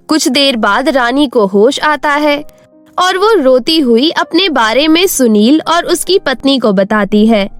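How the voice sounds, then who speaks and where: A woman narrating a moral bedtime story in a scripted storybook style. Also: sits high.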